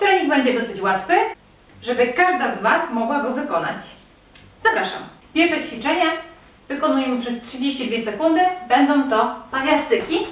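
With audible room echo, a woman speaks at a high pitch and a moderate pace. Her speech has long, frequent pauses. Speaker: home fitness instructor. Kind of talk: workout instruction. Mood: cheerful, upbeat. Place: home room. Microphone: camera far.

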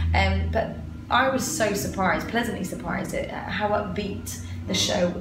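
Noticeable background noise fills the clip. Over it, a woman keeps a moderate pace. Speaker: musical theatre actress. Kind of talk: casual interview. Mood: warm, enthusiastic. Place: home room.

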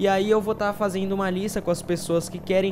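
A man speaks with a high pitch. Noticeable background noise sits behind him. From Brazil. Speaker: gaming youtuber. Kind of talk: casual chat. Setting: home recording with facecam. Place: home room. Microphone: headset.

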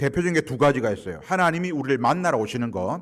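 A man is speaking. His voice has vocal fry. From Gyeongsang region, Yangsan. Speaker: guest pastor. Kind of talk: sermon. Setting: church.

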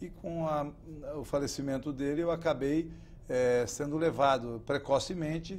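This man has an unremarkable speaking voice at a fairly high pitch. He talks fairly slowly with fairly even intonation. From Brazil, São Paulo state interior (Santa Fé do Sul); São Paulo state, Brazil. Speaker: state legislator; politician guest. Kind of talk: interview. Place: studio. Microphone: lapel.

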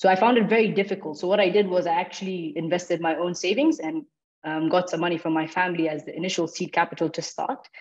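A woman races along at a very fast pace in a fairly low pitch against a quiet background. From Kenya. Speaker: startup founder and CEO; panelist. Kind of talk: panel discussion. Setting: video call. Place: office. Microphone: earbuds.

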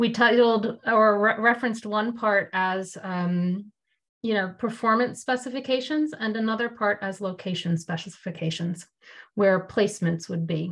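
A woman's unremarkable speaking voice, fairly high in pitch with ordinary variation, at a moderate pace over a quiet background. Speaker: town councilor. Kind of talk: council meeting deliberation. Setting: video call. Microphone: video call.

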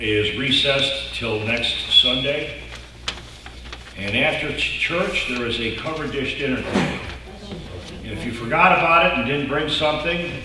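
Amid noticeable background noise and audible room echo, a man speaks at a fairly slow pace with ordinary pitch variation. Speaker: church leader or pastor. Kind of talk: church announcements. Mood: warm, friendly. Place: church. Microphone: podium.

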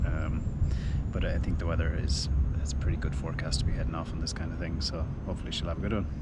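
A man talks fairly quickly amid loud background noise, the sound dry and free of echo. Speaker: sailor vlogger. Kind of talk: casual vlog chat. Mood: calm, upbeat. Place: boat. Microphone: phone near.

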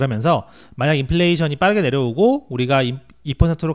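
Pitched fairly high, a man with an ordinary speaking voice talks with lively intonation over a quiet background. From South Korea. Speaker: newspaper correspondent and market commentator; financial news correspondent. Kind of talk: market analysis talk to camera. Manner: conversational, with frequent fillers. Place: studio. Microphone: studio mic.

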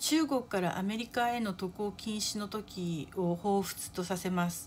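An unremarkable speaking voice from a woman, medium in pitch, fairly slow, with ordinary pitch variation. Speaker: vlogger, university admissions worker. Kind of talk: casual video monologue.

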